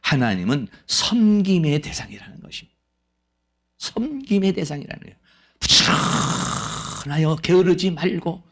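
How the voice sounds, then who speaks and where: A man preaching a sermon as pastor of a church, lively and playful, acting out quoted voices. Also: on the high side, measured pace. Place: church sanctuary.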